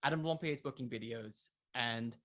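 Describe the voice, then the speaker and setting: A man's voice: medium pitch, moderate pace, a bit bright. A man answering questions in a casual interview, thinking aloud and repeating words as he goes. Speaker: podcast creator, interview guest. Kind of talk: casual interview chat about wrestling fiction.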